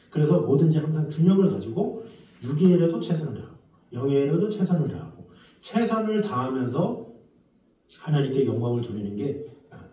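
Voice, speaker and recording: A male pastor preaches in a lively, chatty way, his fairly high, mellow voice rising and falling widely. He sounds far from the microphone. His voice rings through a very echoey church hall. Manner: lively, conversational preaching, acts out quoted voices. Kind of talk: sermon. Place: church sanctuary.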